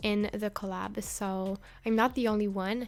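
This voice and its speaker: Speaking with a Quebec accent, a woman holds a medium pitch with monotone, flat intonation on a very clean recording with a silent background. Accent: French Canadian accent in English. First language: French. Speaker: Sims YouTuber. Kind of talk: casual voiceover monologue for a speed build video.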